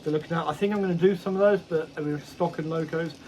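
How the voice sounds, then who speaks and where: A man's voice: on the high side, steady tone, fast, a little mellow, slight background noise, low-quality recording. A man casually vlogging about his model railway hobby, rambling and correcting himself with many ums. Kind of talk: casual unboxing chat.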